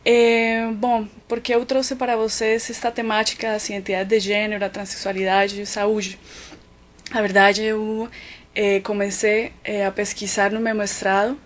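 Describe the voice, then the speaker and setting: A woman's voice: medium pitch, flat delivery, normal speed. A woman from Colombia, a physician and researcher with a Colombian Spanish accent, giving an academic web lecture with frequent filler words. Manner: thoughtful, many "então" and "é" fillers while explaining.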